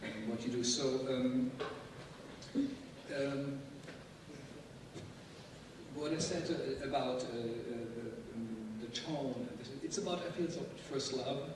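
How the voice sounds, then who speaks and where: A man moderating a live public discussion, asking rambling questions in a hesitant, halting way. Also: mid-range voice. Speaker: moderator, interviewer. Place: public event hall with audience. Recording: very echoey hall, distant mic, clear noise.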